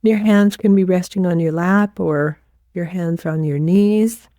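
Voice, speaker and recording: A woman leading a guided meditation as a teacher, giving gentle, unhurried instructions with pauses. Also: lowish voice, dry recording, clean studio sound.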